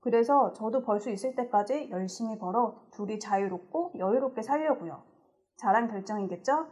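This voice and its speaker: Woman reading a story, higher pitch. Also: moderate pace, a little mellow. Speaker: co-host. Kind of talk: reading a viewer's story aloud, then casual chat.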